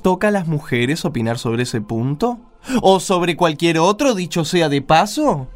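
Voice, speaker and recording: An actor playing a pompous, contemptuous, pious Pharisee husband in a radio play, preachy and condescending. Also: male voice, fairly high pitch, very animated, unhurried.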